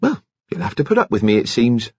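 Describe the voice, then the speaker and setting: Guy doing a cheery bustling nurse lady in an audiobook, pitch bounces all over, bit muffled. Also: big pitch swings, normal speed, a little mellow, husky, no echo. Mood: cheerful, teasing. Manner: hearty, bustling, chirpy turns of phrase. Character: brisk cheerful middle-aged woman district nurse.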